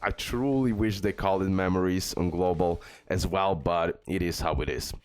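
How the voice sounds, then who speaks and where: A man's voice: low-pitched, normal speed, darkish tone. A man hosting a gaming video, giving casual, informal guide commentary peppered with bro and okay.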